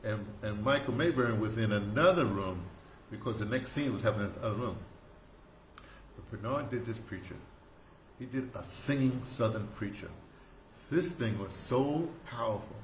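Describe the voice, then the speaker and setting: An older American man reminisces in a loose, excitable style, doubling back and repeating himself as he goes. His voice sits at a middle pitch. The room is echoey, with clear background noise behind him. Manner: excitable, animated storyteller with broken, repetitive phrasing. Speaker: radio drama producer and talk host. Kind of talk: casual rambling reminiscence.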